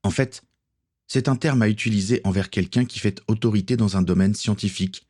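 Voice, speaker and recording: A man narrating an audiobook adventure in an expressive, measured way. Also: lowish voice.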